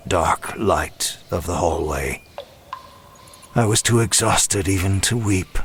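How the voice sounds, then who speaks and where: Deep, weary, tormented demon narrator. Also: male voice, a little hiss or hum. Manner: grave, measured, halting, dramatic. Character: broken, weary male demon, tormented and self-loathing. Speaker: first-person narrator. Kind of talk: scripted horror audio drama narration.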